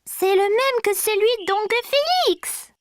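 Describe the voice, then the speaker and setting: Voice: extremely high pitch, animated, takes it slowly, no echo, full character voice. An actor voicing a cheerful, curious preschool boy in a children's cartoon dub, with simple, wide-eyed childlike phrasing. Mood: excited.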